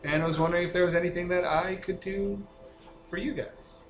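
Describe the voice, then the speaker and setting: A man's voice: high-pitched, steady tone, fairly quick, soft background music. A man playing a tabletop game, chatting casually and speaking for his character. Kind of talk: casual chat and in-character play. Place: indoor room with other players. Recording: echoey room with clear background noise.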